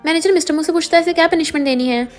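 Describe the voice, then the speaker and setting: A woman's voice: extremely high pitch, very fast, faint music behind. A woman narrating a drama recap, retelling each scene and quoting the characters' lines in her own voice. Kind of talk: scripted story narration.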